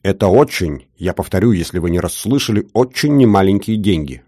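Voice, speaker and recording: A man's voice: low-pitched, lively intonation, brisk, warm tone, husky, no room sound, clean studio sound. A man voicing a shrewd older jeweler with an Odessa accent, talking in a wheedling, sing-song bargaining patter. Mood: haggling. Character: shrewd older male jeweler, haggling, fussy.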